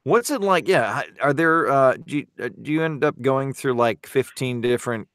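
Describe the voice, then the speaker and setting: A man hosting a podcast, chatting casually and haltingly with many restarts. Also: mid-range voice, lively intonation, a bit bright, dry recording, studio quality. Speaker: podcast host. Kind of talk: casual chat on a video call.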